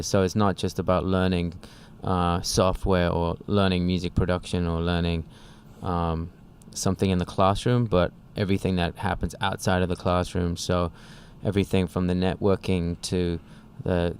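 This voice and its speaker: A man with a very low voice explains his school in long, run-on sentences, keeping his pitch flat. It is relaxed podcast talk. Faint noise sits underneath. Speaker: co-founder of a music school. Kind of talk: casual podcast chat.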